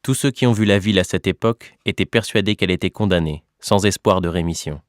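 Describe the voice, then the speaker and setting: A man's voice: low-pitched, quick pace, dry recording, studio quality. A man reading scripted narration as a professional voice-over artist. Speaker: voice actor. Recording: music under the voice. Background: music.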